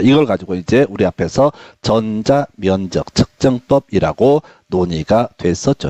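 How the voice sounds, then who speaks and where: A man speaks at a moderate pace with a dark, mellow tone and lively intonation, recorded with a dry, close sound and no echo. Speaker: exam prep lecturer. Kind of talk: lecture. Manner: repetitive.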